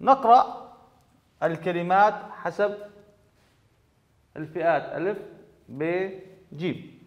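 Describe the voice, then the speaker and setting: A man with a high voice teaches a classroom grammar lesson, explaining slowly and repeating key words. The recording sounds dull and lo-fi, with a long echoing reverb from a large room. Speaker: Arabic teacher. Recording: echoey hall, dull lo-fi sound.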